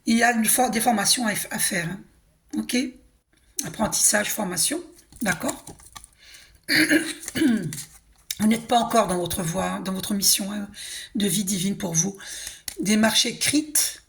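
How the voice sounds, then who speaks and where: A hoarse woman giving a casual, reassuring spiritual card reading, often clearing her throat and asking "d'accord?". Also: mid-range voice, a little slow, pauses often. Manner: chatty, reassuring, tag questions like hein and d'accord. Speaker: tarot and oracle card reader.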